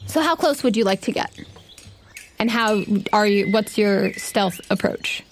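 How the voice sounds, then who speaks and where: A woman's voice: mid-range voice, lively intonation, unhurried, slight background noise. A woman running a tabletop game, narrating off the cuff and putting questions to the players. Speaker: game master.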